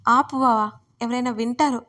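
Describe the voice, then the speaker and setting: A woman's voice: a little high, fairly quick, lightly acted. A woman voicing a shy, sulky young woman who pleads and whines in an audio story. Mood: pleading. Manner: coy pleading, whiny.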